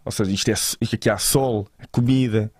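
A man's voice: lowish voice, fairly even intonation, fast, a little mellow, breathy edge, no echo, clean studio sound. A man from Portugal with a European Portuguese accent, talking casually and colloquially as a guest in an interview about his creative work.

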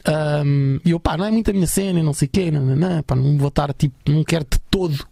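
Fast-talking gravelly young Portuguese man. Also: on the high side, warm tone, no room sound, studio quality. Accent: European Portuguese. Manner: chatty, many fillers, slangy. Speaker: guest musician. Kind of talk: casual storytelling.

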